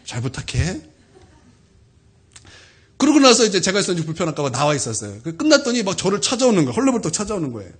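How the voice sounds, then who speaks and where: A man's voice: high-pitched, wildly swooping pitch, racing, few pauses, husky. A middle-aged man, a pastor, preaching a sermon in a church, telling stories and calling out to the congregation. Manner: emphatic preaching with rising calls to the congregation, storytelling asides. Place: church sanctuary.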